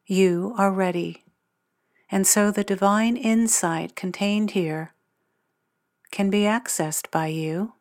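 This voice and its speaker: A woman narrating a guided meditation as its guide, speaking in measured, deliberate phrases with long pauses. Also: medium pitch, steady tone, darkish tone.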